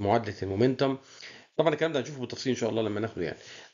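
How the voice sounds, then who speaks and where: A man with an Egyptian accent and medium pitch. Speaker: engineering lecturer. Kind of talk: lecture. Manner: halting, many fillers.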